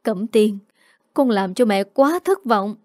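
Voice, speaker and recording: Angry middle-aged mother, scolding hard, mellow low-toned delivery, read by a woman narrator. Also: a little fast, no room sound, studio quality, natural voice. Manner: scolding, sharp rebukes.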